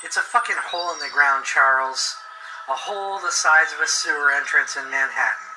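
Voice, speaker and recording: Brash, demanding young girlfriend , played by a male reader, slightly raised pitch, horror audio story, noisy backdrop. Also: moderate pace, natural voice. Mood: impatient, scornful. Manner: brash, sharp complaining. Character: impatient, foul-mouthed, demanding young woman cave explorer.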